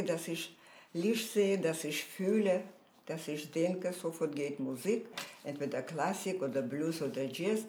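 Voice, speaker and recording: Lady in her 80s, chatty and upbeat, echoey room. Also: lowish voice. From Georgia. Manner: lively, non-native grammar, upbeat and proud. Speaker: guest. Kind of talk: casual interview chat.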